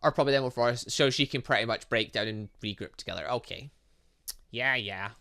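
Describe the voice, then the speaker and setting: A man giving let's play commentary on a game, excitable and reactive, reading dialogue aloud as he goes. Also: mid-range voice, quick pace, vocal fry. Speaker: gaming channel host.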